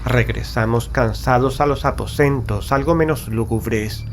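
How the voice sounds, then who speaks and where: A man narrating a gothic horror story in the first person, in a measured, grave, literary manner. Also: medium pitch. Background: background music.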